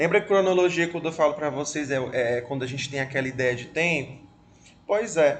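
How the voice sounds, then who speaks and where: In a Rio de Janeiro accent, a man speaks at a fairly quick pace with a fairly high pitch and ordinary pitch variation. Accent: somewhat Carioca (Rio de Janeiro) Portuguese. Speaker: school philosophy teacher. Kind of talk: video lesson for pupils. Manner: warm, affectionate address to students; halting with fillers and repetitions.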